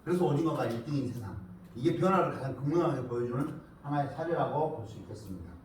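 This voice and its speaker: A man giving a lively, teasing lecture to a live audience, at times chanting words in rhythm. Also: mid-range voice, fast, a little hiss or hum. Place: lecture hall. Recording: echoey hall, mic at a distance.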